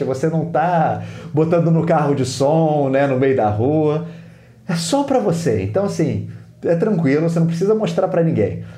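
Speaking with a Brazilian Portuguese accent, a male teacher guests on a podcast and offers explanatory advice, voicing what his students are thinking. His fairly high, warm voice echoes in a reverberant recording.

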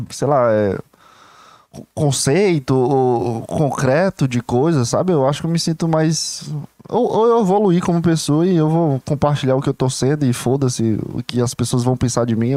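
Rambling young man, soft dark voice. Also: fairly high pitch, no room sound. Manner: rambling, stream-of-consciousness with many restarts; candid, self-reflective and confiding. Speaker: podcast host. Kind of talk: solo podcast monologue.

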